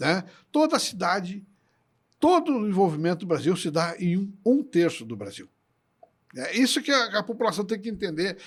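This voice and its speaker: A man speaks at a moderate pace and a high pitch, his voice swinging very widely up and down. He pauses long and often, on a very clean recording with a silent background. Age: 60s. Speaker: agronomist. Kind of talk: podcast interview. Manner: animated; halting.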